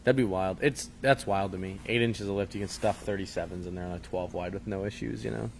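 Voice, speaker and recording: A man's voice: low-pitched, fairly even intonation, gravelly, slight background noise. A man co-hosting a live show, easygoing and joking, reading out viewer questions. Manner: easygoing, joking, quick asides. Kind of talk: casual chat.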